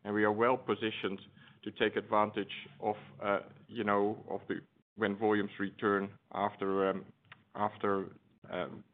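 A man's voice: lowish voice, little pitch movement, unhurried. A man speaking as a company executive, giving a formal, businesslike scripted earnings presentation over a conference phone line. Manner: formal, businesslike corporate delivery. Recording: tinny, band-limited conference phone line.

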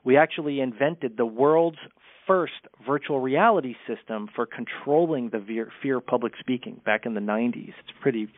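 Male speech coach, candid and brisk, mid-pitched, over a tinny phone-quality line. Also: no room sound. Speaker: communication coach. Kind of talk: podcast interview.

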